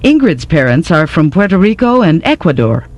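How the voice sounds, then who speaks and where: Male narrator, scripted lecture delivery, slightly high pitch, educational. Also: big pitch swings, moderate pace.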